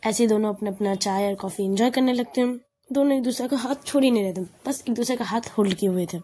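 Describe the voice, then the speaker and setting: A woman's voice: fairly high pitch, quick pace, dark tone, a little hiss or hum. A woman telling a love story in a chatty, rambling way, often restarting her sentences. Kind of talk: casual spoken storytelling.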